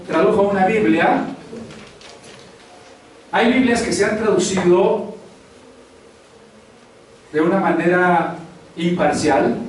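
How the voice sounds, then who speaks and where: A man's voice: sits high, slight background noise. A male pastor preaching a sermon in a conversational way, with frequent rhetorical questions. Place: church hall. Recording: echoey hall, far from the mic.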